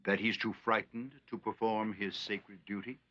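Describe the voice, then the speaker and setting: An actor voicing a proud, confident king in an animated Bible drama, speaking in a regal manner. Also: lowish voice, normal speed. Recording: dull lo-fi sound.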